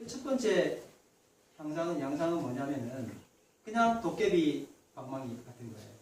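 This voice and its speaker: A male pastor preaches a Sunday sermon in a church sanctuary, chatting with his congregation and quizzing them directly. His voice sits a touch high and carries a roomy echo. He stands somewhat back from the mic, over a faint hiss. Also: sing-song, moderate pace, a little mellow, far from the mic. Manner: conversational preaching, asks the congregation questions directly.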